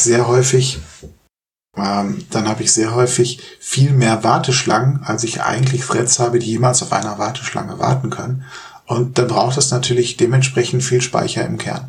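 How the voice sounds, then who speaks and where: A man speaks in an unremarkable speaking voice at medium pitch. His intonation is fairly even and his pace moderate. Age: 40s. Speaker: computer science postdoc. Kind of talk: technical interview.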